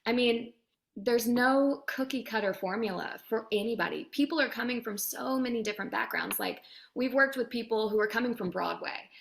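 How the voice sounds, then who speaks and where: A woman's voice: on the high side, normal speed, vocal fry. A woman answering as an interview guest and demo producer in an emphatic, opinionated, conversational way.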